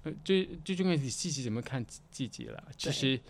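A man speaks in a medium-pitched voice. He talks casually as a guest, circling back over phrases and restarting often. English words slip into his sentences. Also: expressive, a crowd in the background. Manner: halting, repetitive, mixing English words into Mandarin. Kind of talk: casual conversational interview.

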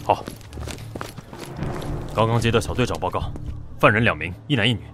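A man's voice: lowish voice, normal speed, background noise, natural voice. An actor with a Taiwanese accent playing a composed, commanding male police squad leader in a radio drama. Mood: commanding, urgent.

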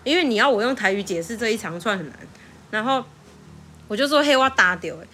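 Bright, laughing Taiwanese woman. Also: on the high side, fast talker, a little hiss or hum. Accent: Taiwanese Mandarin. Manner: animated storyteller who laughs often. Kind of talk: casual chat.

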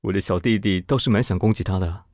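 An actor playing a vain, bossy gay fashion-magazine director in a radio drama, with a Taiwanese Mandarin accent and a haughty, theatrical manner. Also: male voice, deep voice, fast talker, a little mellow, no room sound, clean studio sound. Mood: deadpan storytelling.

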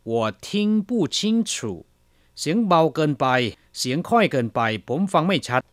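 A man teaching a language lesson to listeners, carefully saying each word slowly and then explaining it. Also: fairly high pitch, lively intonation, fairly bright tone, no room sound, studio quality. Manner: slow, careful word-by-word pronunciation. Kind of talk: radio-style language lesson.

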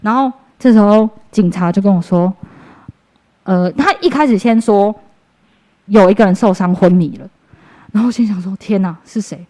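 A woman's voice: medium pitch, normal speed, pauses often, dark tone. A young woman with a Taiwanese Mandarin accent, giving a personal church testimony in an earnest, conversational way, with fillers and restarts.

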